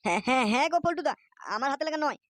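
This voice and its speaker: A man's voice: very high-pitched, animated, racing, fairly bright tone, no echo. A man voicing an indignant, hot-tempered village father in a comedy cartoon, blustering and scolding crudely. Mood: indignant, defensive. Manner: blustering, foul-mouthed scolding. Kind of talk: Bengali comedy cartoon dubbing.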